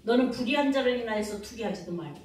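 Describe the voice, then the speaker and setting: A woman's voice: a little high, expressive, fast talker, darkish tone, slight background noise. A woman pastor preaching a revival sermon, dramatically acting out her own prayers and calling for amens. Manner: calls for amens from the congregation. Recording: very echoey hall, mic from a distance.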